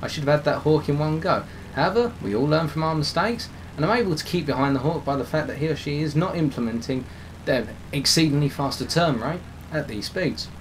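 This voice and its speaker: A man commentating over his own game footage, slightly hoarse as he is losing his voice, explaining tactics with frequent restarts. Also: on the high side, fairly quick, a little hiss or hum, low-quality recording. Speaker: gameplay commentator.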